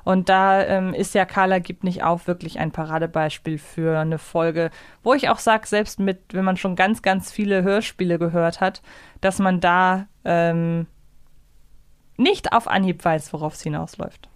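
A woman's voice: fairly low pitch, fairly even intonation, a little slow, smooth, no room sound, clean studio sound. A woman co-hosting a casual fan discussion, reflectively explaining her opinions step by step. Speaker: podcast co-host.

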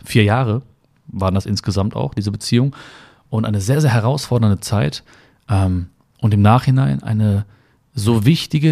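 Man, lowish voice, reflective personal storytelling, hesitant, lots of fillers and restarts, talking by an open window. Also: gravelly, darkish tone. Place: room with the window open in the mountains.

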